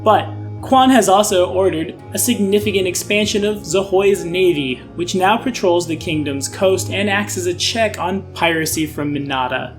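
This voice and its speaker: A man's voice: high-pitched, normal speed, soft background music. A young man hosting an online channel, giving a casual overview of tabletop game lore with dry, sarcastic asides. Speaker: YouTube host explaining game lore.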